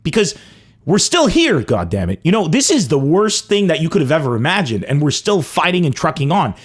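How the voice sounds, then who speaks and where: A man's voice: fairly quick, slightly rough. A young adult man from Lebanon hosting a comedy podcast, delivering a mock-dramatic comic monologue. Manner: animated, mock-dramatic swings in pitch and pace.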